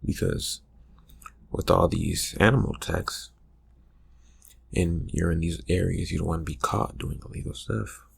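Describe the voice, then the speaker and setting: A man playing a calmly threatening vampire confronting a friend in a soft-spoken, halting ASMR roleplay, with a husky, gravelly voice. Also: exaggerated voice. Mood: quietly suspicious. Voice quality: low, husky, gravelly, often breathy. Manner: hesitant, halting, quietly insinuating.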